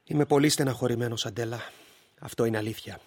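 A man's voice: a little high, very animated, a bit bright. An actor playing an impatient husband who gambles and scolds his wife in curt, exasperated lines. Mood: sheepish. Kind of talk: audio drama acting.

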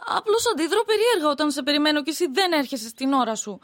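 An actress playing an anxious young wife who hears spirit voices, pleading and tearful by turns. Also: female voice, high voice, big pitch swings. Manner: pleading, clingy, tearful swings. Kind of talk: audio drama acting.

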